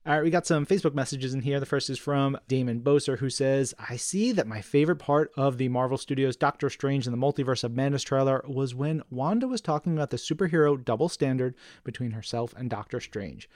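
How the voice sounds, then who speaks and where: A man co-hosting a podcast in casual chat, playful and animated as he reads out listener messages on a studio mic. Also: mid-range voice, fairly quick, few pauses, no room sound. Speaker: podcast co-host.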